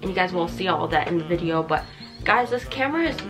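Clear music sounds in the background as a woman speaks. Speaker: vlogger. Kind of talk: casual vlog chat. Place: home room. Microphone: phone near.

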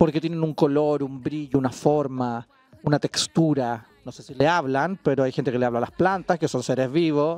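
With a Chilean accent, a man speaks at a moderate pace and fairly high pitch with fairly even intonation, the sound dry with no echo and faint music playing in the background. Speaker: podcast co-host. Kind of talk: casual chat. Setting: live stream. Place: studio. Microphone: studio mic.

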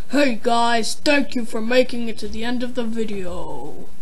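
A female-sounding voice does a put-on character voice over clear background noise. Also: moderate pace. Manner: put-on announcer voice.

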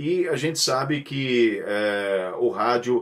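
A man is speaking. The background is quiet. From Brazil (São Paulo). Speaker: radio and advertising voice-over announcer. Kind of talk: casual radio-style talk giving an opinion. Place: studio. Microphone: phone near.

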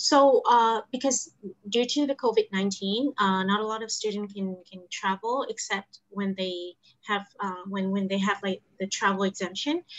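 Her voice somewhat breathy, a woman speaks at a moderate pace with ordinary pitch variation. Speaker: education agent staff; webinar host asking questions. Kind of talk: webinar Q&A. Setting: video call. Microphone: video call.

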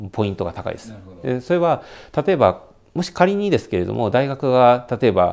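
At a fairly quick pace, the man talks with very wide swings in pitch. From Japan, Kanazawa; Japan. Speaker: hotel company CEO. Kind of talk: interview. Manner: formal. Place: office. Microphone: lapel.

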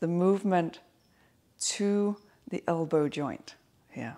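Woman at a very slow pace, quiet background. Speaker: yoga teacher. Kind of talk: tutorial. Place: home room. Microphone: lapel.

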